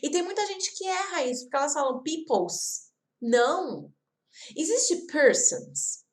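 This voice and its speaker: A woman from Brazil teaching an online English lesson, repeating example words slowly and talking straight to her viewers. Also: sits high, big pitch swings. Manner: slow, careful repetition of example words; chatty, addresses viewers directly.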